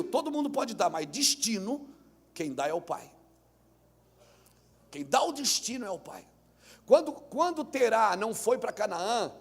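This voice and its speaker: A male pastor with a Brazilian Portuguese accent, preaching a lively live sermon at a church conference, telling stories and rising to shouts. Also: high-pitched. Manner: animated preaching that builds to shouts; tells stories through acted dialogue.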